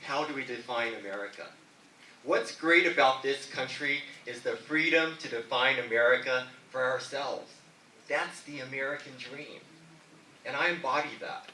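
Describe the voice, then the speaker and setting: Male mayor candidate, storytelling, bright tone, echoey hall. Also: mid-range voice, moderate pace, distant mic, a little hiss or hum. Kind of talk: debate answer. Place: debate hall.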